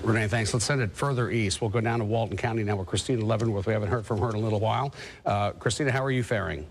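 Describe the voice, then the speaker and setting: A man with a fairly low voice anchors live news. He talks extremely fast in an informal, unscripted hand-off style.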